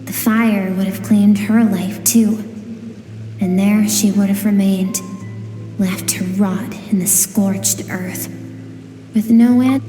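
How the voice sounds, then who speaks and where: An actress playing a wistful storyteller in a video game, narrating in a measured, sorrowful way. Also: female voice, medium pitch, mellow, lightly acted. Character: wistful female storyteller recounting a tragic past. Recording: long echoing reverb with music.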